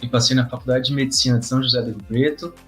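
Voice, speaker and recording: A man's voice: mid-range voice, fairly even intonation, racing, fairly bright tone, soft background music. A young man from São Paulo state giving a brief self-introduction as an approved medical student. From São Paulo state, Brazil. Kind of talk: short testimonial.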